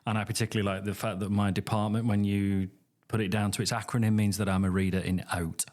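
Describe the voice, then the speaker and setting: A man's voice: fairly low pitch, little pitch movement, a little mellow. A man with a northern English accent, a guest academic speaking thoughtfully in a podcast interview. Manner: thoughtful, measured, with restarts.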